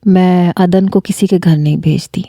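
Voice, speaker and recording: A strict, protective middle-aged aunt, read by a woman storyteller, firm and measured, with a dark, mellow voice. The sound is close and dry, with no room around it. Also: fairly low pitch, steady tone, dry recording.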